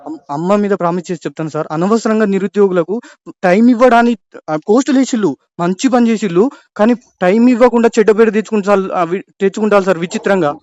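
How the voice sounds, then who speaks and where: High, hurried young man, urgently imploring. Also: a little mellow, no echo. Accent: Telangana Telugu. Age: young adult. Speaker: exam aspirant calling a politician. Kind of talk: pleading phone conversation. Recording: dull lo-fi phone call audio.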